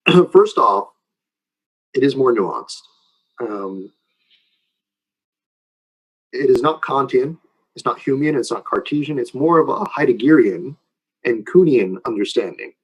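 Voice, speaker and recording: A man's voice: mid-range voice, expressive, unhurried, long pauses, slightly rough, rough recording. A man lecturing informally and taking questions, explaining in a conversational way and often checking that listeners follow.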